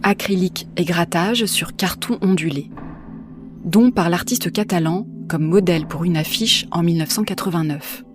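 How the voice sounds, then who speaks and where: Low-voiced woman announcer over music. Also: moderate pace. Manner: formal, concise. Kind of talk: scripted introduction.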